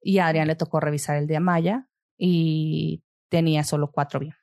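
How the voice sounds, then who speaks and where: Woman, lower voice, casual recounting, lots of fillers. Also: fairly even intonation, moderate pace, a little mellow. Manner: storytelling with many fillers. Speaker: mother. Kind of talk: casual conversation.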